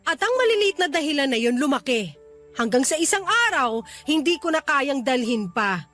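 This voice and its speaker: Isang babaeng gumaganap sa dramang pag-ibig sa radyo bilang prangka at malungkot na dalagang nakikipaghiwalay sa nobyo. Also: female voice, sits high, expressive, moderate pace, fairly bright tone, soft background music. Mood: resigned, firm. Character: unhappy young woman bluntly breaking up with her boyfriend. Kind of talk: radio romance drama acting.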